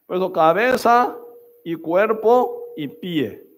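A man preaching a sermon in short, emphatic phrases, often checking with the congregation with quick questions. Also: sits high, lively intonation. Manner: keeps asking the congregation "¿verdad?" and "¿sí o no?".

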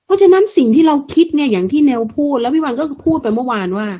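A woman's voice: high-pitched, animated, very fast, dark tone. A woman giving a fiery, blunt political monologue, crude and mocking, full of rhetorical questions. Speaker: political commentator. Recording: dull lo-fi sound.

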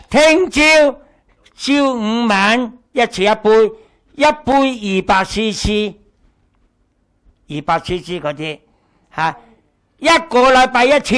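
A man's voice: extremely high pitch, fairly bright tone. An older man with a Hong Kong Cantonese accent, teaching a health talk and answering questions in a bluntly joking way, with many repeats. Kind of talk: lecture with audience questions. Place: small lecture hall.

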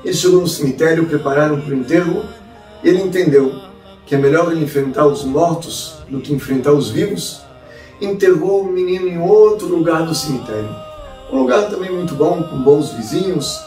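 Man, Brazilian accent, dramatic storytelling, high voice, roomy echo. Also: normal speed. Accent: Brazilian Portuguese. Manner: animated, rhetorical questions. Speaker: rabbi. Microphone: distant mic. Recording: roomy, distant mic, faint music.

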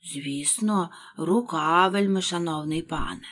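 A woman voicing Pat, a simple, timid male servant who answers humbly and pleads, in a husky voice. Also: on the low side, slow pace, a bit bright, heavily acted. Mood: humble.

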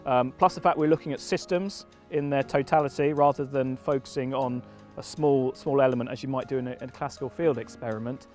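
A man speaking outdoors on a farm in a relaxed, conversational way, restarting phrases as he goes. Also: medium pitch, fairly quick. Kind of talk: on-camera interview. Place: outdoors leaning on a farm fence. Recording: faint music underneath.

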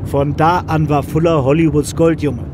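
A man's voice: a little high, fairly even intonation, normal speed, noisy background, natural voice. A man acting a chatty, wry, self-assured American ex-serviceman in a horror audio drama. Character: American millionaire ex-Air Force man, chatty, wry, sure of himself.

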